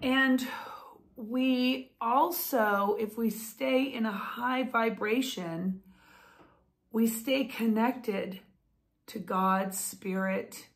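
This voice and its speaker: This woman's voice sits on the high side and moves extremely slowly. She's a vlogger and author in her fifties, chatting eagerly to camera in a home room and gesturing with her hands, recorded close up by phone or webcam.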